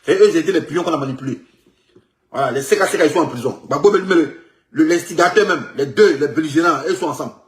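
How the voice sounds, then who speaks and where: A man, commenting on politics in an animated, rambling way, with many repetitions and stumbling restarts. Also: fairly high pitch, fast talker. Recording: echoey room.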